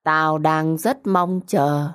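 A woman's voice: sits low, extremely slow, fairly bright tone, clean tone, full character voice. A woman voicing a cruel, treacherous young woman in an audio story, with a mocking, condescending and sarcastic manner.

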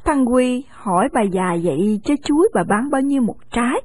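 Expressive woman reading an audiobook. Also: fairly high pitch, fairly quick. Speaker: audiobook narrator. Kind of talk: scripted audiobook narration.

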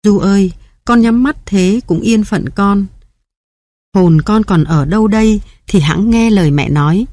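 A woman's voice: mid-range voice, lively intonation, moderate pace, darkish tone, no room sound, lightly acted. A woman voicing a grieving old mother who cries and pleads at her son's grave, in an audiobook reading. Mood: wailing. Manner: wailing, pleading, bewildered.

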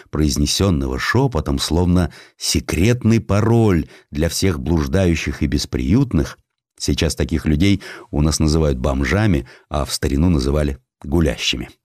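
A man narrating historical tales as a literary audiobook, with an expressive, dramatic storytelling delivery. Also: low voice, dry recording, clean studio sound.

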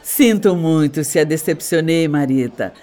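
A woman's voice: sits low, measured pace, dark tone. An actress playing a composed, condescending middle-aged stepmother in a radio soap opera, with a Brazilian accent and a theatrical manner. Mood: condescending, grave.

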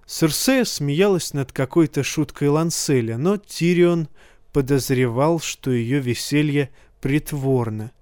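A man narrates a fantasy novel in a measured, even storytelling manner. His voice sits a touch higher than most men's. The recording is dead dry and close to the mic. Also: clear, resonant tone, no echo. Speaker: audiobook narrator. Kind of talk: scripted audiobook narration.

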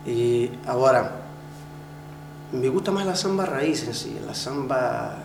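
A Brazilian-accented man in his forties talks through his answers in a casual, halting way, often restarting his phrases. His voice sits at an ordinary middle pitch. The room is echoey, and clear background noise runs under his speech. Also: animated. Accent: Brazilian Portuguese. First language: Portuguese. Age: 40s. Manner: hesitant, many restarts, laughs while telling stories. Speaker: interviewee, samba percussionist.

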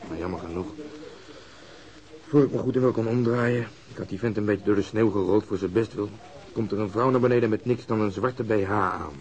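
An actor playing a blunt, hot-tempered police inspector in a Dutch radio drama. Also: male voice, on the low side, fairly quick, darkish tone, highs cut off, lightly acted. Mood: grim, recounting. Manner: blunt, irritable, swearing. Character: gruff, hot-tempered police inspector who rescued fire victims.

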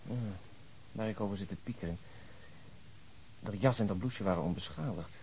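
An actor playing a brooding, analytical investigator in a radio drama, reasoning in a husky voice. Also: male voice, fairly low pitch, moderate pace, a little mellow, a little hiss or hum, lightly acted, poor audio. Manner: reasoning step by step.

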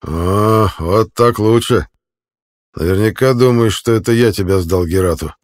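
A menacing male jailer who drawls his taunts, as a narrator puts him on. The voice is very deep and pushed louder. Every line drips with slow mockery. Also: close to an everyday voice. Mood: taunting. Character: mocking brutal male captor.

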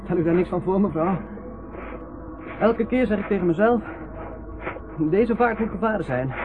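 A young ship's doctor in a radio drama, brisk and reassuring, with a fairly high voice. He chats and repeats himself to soothe. The old recording is very thin and noisy. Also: expressive, narrow, tinny audio. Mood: talkative, reassuring. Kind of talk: Dutch radio play acting.

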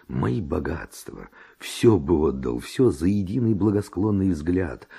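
A man's voice: extremely low pitch, creaky, darkish tone, slightly rough, heavily acted. An actor playing a passionate Spanish nobleman seducer, speaking verse in an ardent, declamatory radio drama manner.

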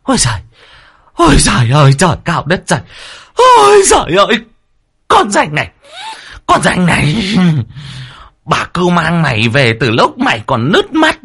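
A man voicing the shrill, furious first wife of a rural landlord, screeching and cursing at a servant. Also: pushed and bright, heavily acted.

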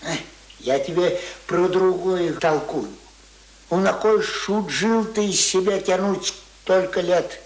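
A man's voice: high voice, slow pace, rough recording. An actor playing a querulous, hungover old village grandfather who grumbles in folksy speech in a radio play. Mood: scolding. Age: older. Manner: folksy, querulous, muttering and exclaiming.

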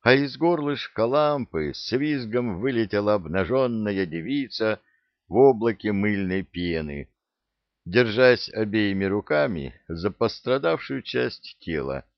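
A man narrating a comic fairy tale in an expressive audiobook reading. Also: lowish voice, measured pace, dry recording, muffled recording.

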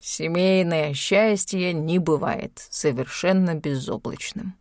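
A woman voicing a stolid, unflappable man who speaks slowly and deliberately in a lowered voice. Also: darkish tone, no echo, studio quality. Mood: deadpan.

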